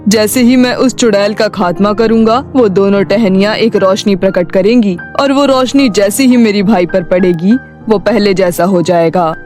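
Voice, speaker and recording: A woman voicing a wise, solemn male magical tree in a cartoon story, explaining earnestly and deliberately. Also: medium pitch, a little mellow, natural voice. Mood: stern, instructing. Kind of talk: cartoon moral story voice acting.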